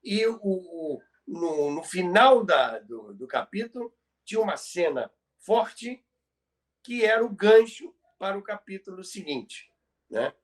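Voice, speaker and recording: A man's voice: high-pitched, big pitch swings, takes it slowly. A Brazilian man presenting in an informal lecture style, explaining didactically and repeating phrases for emphasis. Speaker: presenter explaining radio history.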